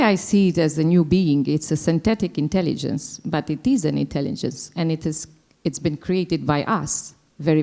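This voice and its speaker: A woman's voice: deep voice, creaky, warm tone. A woman speaking on a discussion panel, thoughtful and hesitant, with many fillers. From Croatia. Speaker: panelist, dance company director.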